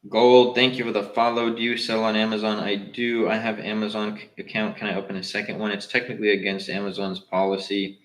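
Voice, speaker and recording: A man's voice: on the low side, flat delivery, fairly quick, hardly any pauses, reverberant, rough recording. A young man from Southern California with a Southern Californian accent, hosting a casual livestream and talking loosely and straight to his viewers. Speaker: livestream host.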